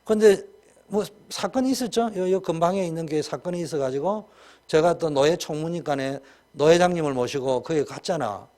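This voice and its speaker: A man's voice: on the high side, fairly quick, a little mellow. A man with a Gyeongsang Korean accent preaching a sermon as pastor, colloquial and emphatic, with many rhetorical questions.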